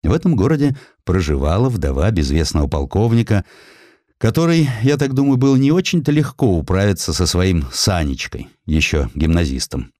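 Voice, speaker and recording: Deep-voiced man narrating expressively. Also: animated, darkish tone, no echo, studio quality. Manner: storytelling, rhetorical, emphatic pauses. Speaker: audiobook narrator, reading in the author's first person. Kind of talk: expressive dramatized literary narration.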